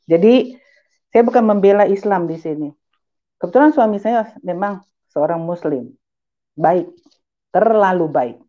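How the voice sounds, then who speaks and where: A woman's voice: mid-range voice, lively intonation, a little slow, pauses often, muffled recording. A middle-aged woman giving an earnest, emphatic personal religious testimony, slipping in English phrases. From Malaysia. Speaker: testimony giver.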